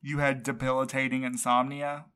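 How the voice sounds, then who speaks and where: A man's voice: medium pitch, little pitch movement, normal speed, bright, forceful tone, smooth, lightly acted. A man playing a sleep-deprived young courier, snarky and complaining, in a fiction podcast. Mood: questioning. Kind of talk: audio fiction podcast acting.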